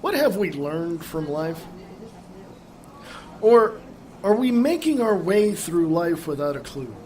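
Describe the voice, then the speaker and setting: An actor playing a reflective, contented middle-aged family man in a radio theatre monologue, measured and pensive with dramatic pauses. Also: fairly high pitch, big pitch swings, darkish tone.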